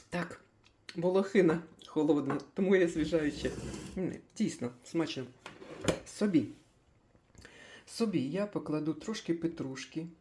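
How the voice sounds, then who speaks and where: An older woman chatting casually as she makes a breakfast smoothie in her kitchen, thinking aloud with small laughs. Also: sits low, mellow, a little hiss or hum. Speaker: cooking vlogger.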